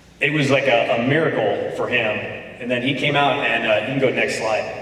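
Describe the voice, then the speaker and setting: Audible room echo and noticeable background noise. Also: man. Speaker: army veteran running a fishing program for veterans. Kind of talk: club presentation with slides. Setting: club meeting with audience. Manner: fast; casual, with many fillers.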